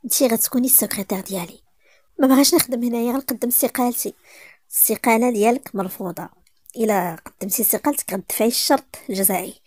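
A woman voicing a cold, vengeful young male boss who threatens in a low voice, with a Moroccan accent. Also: racing, darkish tone, no echo, natural voice.

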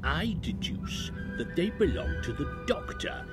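A cold tracker in an audio drama played by a man, clinical and analytical. He speaks slowly with big swings of pitch, and loud music plays behind him. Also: sing-song. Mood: cold, calculating. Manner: deliberate, clinical.

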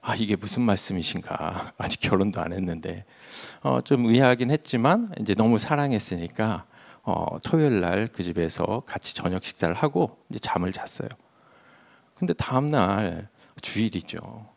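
Male preacher, low and gravelly, storytelling sermon with hushed near-whispered moments. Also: lively intonation, normal speed. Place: church sanctuary.

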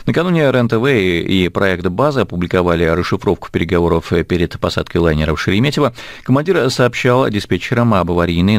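A man's voice: fairly low pitch, vocal fry, dry recording. A man reading scripted news reports as a news presenter.

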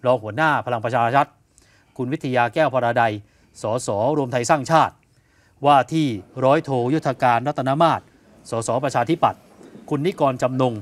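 A man co-hosting an evening news show, explaining political events in an animated conversational way, asking rhetorical questions and acting out what others said. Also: mid-range voice, moderate pace, no room sound. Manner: animated, asks rhetorical questions, acts out quotes. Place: television studio.

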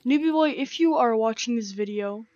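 A young woman with a croaky, sore throat, rambling casually as she plays and comments on a game, full of slang and fillers. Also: fairly high pitch, normal speed, darkish tone, no room sound, dull audio. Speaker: gaming channel host. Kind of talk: casual let's-play commentary. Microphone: gaming headset.

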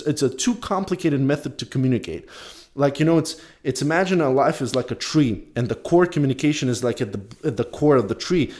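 A young man from Bulgaria, Polish by first language, telling a story in a casual podcast. He talks in an animated way with quick restarts and the odd swear word. His voice sits at an everyday middle pitch, recorded close on a boom mic in a small home room. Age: young adult. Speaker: podcast co-host. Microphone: studio mic on a boom, headphones.

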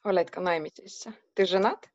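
A woman's voice: on the low side, a little fast. A woman, teaching a patient online lesson on a video call, repeating and translating phrases. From Russia. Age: 30s. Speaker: language teacher. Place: home room, on a video call. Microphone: laptop webcam mic. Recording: dull lo-fi video call audio.

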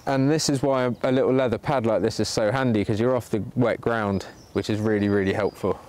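Fairly low and darkish, this man's voice moves at a fairly quick clip with fairly even intonation. He hosts a bushcraft livestream in sunny woodland, casually talking to viewers as he works, camera pointed at his hands, with faint hiss or hum.

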